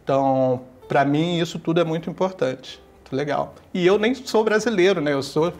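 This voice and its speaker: A man's voice: a little high, normal speed, soft background music. A man from Taiwan, a guest filmmaker and teacher, talking enthusiastically on a panel and repeating his points. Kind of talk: casual panel talk.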